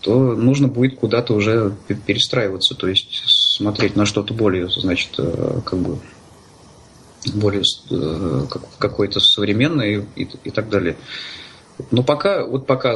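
A man giving conversational interview answers in a halting, hesitant way, often searching for words. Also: fairly low pitch, a bit bright, slight background noise. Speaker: interview guest, blind user of assistive technology.

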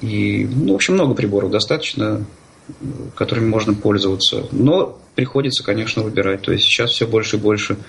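A man giving conversational interview answers in a halting, hesitant way, often searching for words. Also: fairly low pitch, animated, vocal fry, a bit bright, husky. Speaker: interview guest, blind user of assistive technology.

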